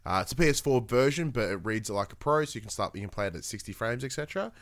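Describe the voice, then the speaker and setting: Male podcast co-host, casual and rambling, smooth low-mid voice, dry sound. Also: expressive, very fast, fairly bright tone, no room sound. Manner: rambling, upbeat, lots of fillers and restarts. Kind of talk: casual gaming podcast chat.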